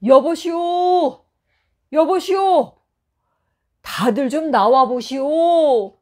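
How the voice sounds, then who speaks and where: A woman's voice: medium pitch, slow, warm tone. A woman voicing a thirsty male traveler in a storybook, who grows puzzled and testy. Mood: shouting. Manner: exclaiming, bewildered.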